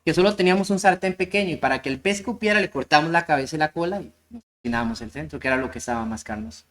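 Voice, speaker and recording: A man voicing a poor, gentle old great-grandmother in a soft, quick, lowered voice within a sermon story. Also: close to an everyday voice. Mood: fond.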